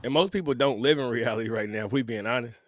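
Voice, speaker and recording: A man in his thirties hosting a reaction video, talking in a relaxed, conversational way and often chuckling. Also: medium pitch, quick pace. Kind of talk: casual reaction commentary.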